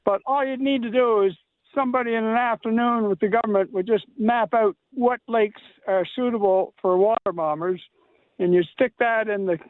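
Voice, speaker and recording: A man's voice: high voice, fairly even intonation, normal speed, no echo. A man from Nova Scotia calling in to a radio show, plainspoken and folksy, rambling through his point. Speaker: caller. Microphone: phone. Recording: phone line.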